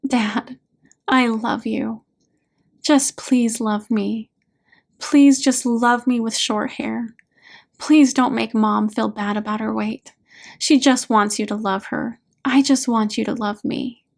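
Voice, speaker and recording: A woman's voice: fairly high pitch, slow pace, creaky, darkish tone, full character voice. A woman voicing a hurting daughter in a therapy story, wounded and pleading with her father in an emotional way. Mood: sad pleading.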